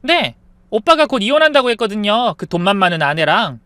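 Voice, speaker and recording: A man's voice: high voice, very animated, brisk, sharp tone, dry recording, exaggerated voice. A man voicing a brazen, cheeky young woman, the husband's mistress, in a narrated drama story. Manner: cheeky, bold.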